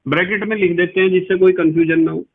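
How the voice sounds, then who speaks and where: A man's voice: high voice, steady tone, fast talker, vocal fry, slightly rough. A man teaching a chemistry class. He talks patiently, repeats key terms and spells words out letter by letter. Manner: addresses students as "beta". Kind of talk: classroom lecture to students. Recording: tinny, phone-like recording.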